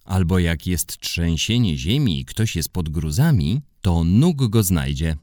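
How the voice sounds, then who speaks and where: A man's voice: low voice, big pitch swings, measured pace, a little mellow, no room sound, studio quality. A man voicing a small boy who proudly talks about dogs in a children's storybook reading. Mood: eager.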